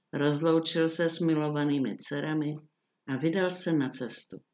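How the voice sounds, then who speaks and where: An older woman reading a classic fairy tale aloud in a calm, measured storytelling manner. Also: low-pitched.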